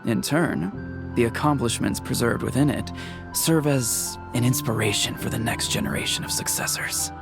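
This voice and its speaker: An actor playing a calm, dignified, protective tribal chief in a video game, speaking in a measured, formal way. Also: male voice, mid-range voice, creaky, music in the background, natural voice. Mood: solemn, explanatory.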